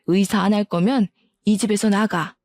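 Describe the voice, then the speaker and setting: Woman narrator as bossy older mother-in-law, low mellow voice, scolding harshly. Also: steady tone, normal speed, no echo, clean studio sound, lightly acted. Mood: furious scolding. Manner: shrill scolding, harsh insults.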